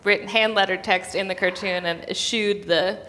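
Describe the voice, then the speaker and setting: Bright-voiced woman in a reverberant hall. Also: medium pitch, fairly even intonation, moderate pace, a little hiss or hum. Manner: chatty, informal. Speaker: interviewer presenting cartoons. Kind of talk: casual on-stage conversation. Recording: echoey hall with long reverb.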